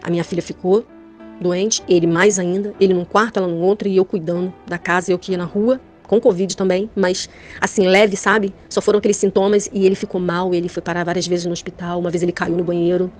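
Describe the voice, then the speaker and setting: A woman's voice: lowish voice, level tone, brisk, a little mellow, faint music behind. A middle-aged woman with a Brazilian Portuguese accent gives a fervent personal faith testimony to her brothers and sisters in the church. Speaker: church member giving a testimony.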